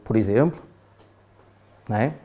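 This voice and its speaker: In a lowish, dark voice and at a slightly slow pace, a man with a European Portuguese accent gives a chatty classroom lecture to adults as their trainer, repeatedly asking "não é?".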